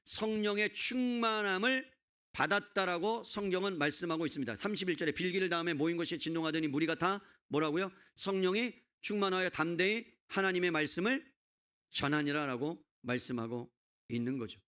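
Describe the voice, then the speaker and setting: A male pastor preaching a sermon in a conversational way, peppering the congregation with rhetorical questions and swinging between loud, quick bursts and low, hushed emphasis. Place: church sanctuary.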